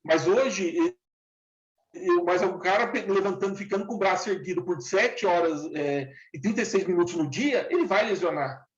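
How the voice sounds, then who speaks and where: Recorded lo-fi in a reverberant room, this casual interview features a man in his forties who once worked in a factory. He speaks earnestly and plainly in a high-pitched voice at a moderate pace.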